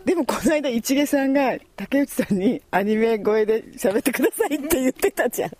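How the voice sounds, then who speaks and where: A woman's voice: fairly high pitch, lively intonation, fairly quick, a little mellow, no room sound. Chatty woman with a raised voice. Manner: agreeable, chatty, laughs along. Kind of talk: casual chat.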